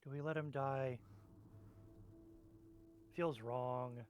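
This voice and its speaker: A man's voice: mid-range voice, fairly even intonation, drawn-out words, a little hiss or hum. A man playing in a tabletop game, given to dramatic groaning asides. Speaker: player.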